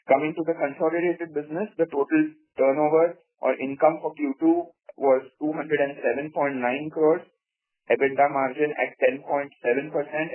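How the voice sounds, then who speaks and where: A man with an Indian accent formally delivers prepared company earnings remarks in a measured way. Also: mid-range voice. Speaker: company executive. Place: telephone conference call. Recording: tinny narrowband phone line.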